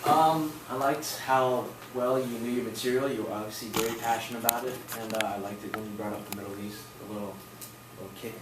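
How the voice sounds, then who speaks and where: A man's voice: mid-range voice, fairly even intonation, quick pace, background noise. A young man, a student, giving upbeat, hesitant feedback on a classmate's speech. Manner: hesitant, upbeat, lots of ums. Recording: echoey room from a distance.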